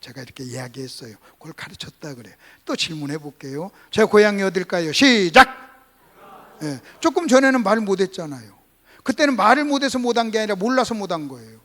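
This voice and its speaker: High-pitched male pastor preaching a revival sermon. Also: animated, fairly quick, a bit bright. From Gunsan, North Jeolla, South Korea. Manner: emphatic, repetitive teaching with rhetorical questions. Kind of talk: Sunday revival sermon with call-and-response to congregation. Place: church service.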